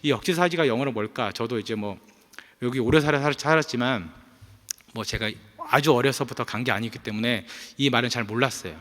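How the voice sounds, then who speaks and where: A male pastor preaching a sermon in a church, telling personal stories in a calm, earnest way with frequent "uh" fillers. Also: medium pitch, fairly quick. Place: church sanctuary. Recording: reverberant church hall.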